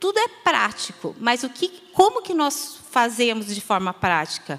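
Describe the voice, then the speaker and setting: An animated voice in a Brazilian accent, fairly slow, with very wide pitch swings. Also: woman. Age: 30s. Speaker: preacher. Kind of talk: sermon.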